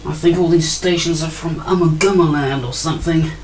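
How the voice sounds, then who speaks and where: A woman's voice: sits low, fairly even intonation, brisk, darkish tone. A woman giving a casual, wry commentary while tinkering at a workbench, with apologetic asides, recorded on a desk microphone. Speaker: hobbyist radio tinkerer. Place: indoor workbench. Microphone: desk microphone near an amplifier.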